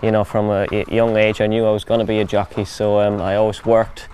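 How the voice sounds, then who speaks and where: A young man whose first language is German, a jockey answering interview questions in an outdoor stable yard, relaxed and full of "you know". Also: fairly low pitch, a little fast, slight background noise.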